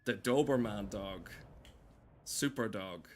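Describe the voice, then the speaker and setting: A man's voice: fairly low pitch, slow pace, slight background noise. A man casually streaming a game, rambling and swearing with dry, joking commentary.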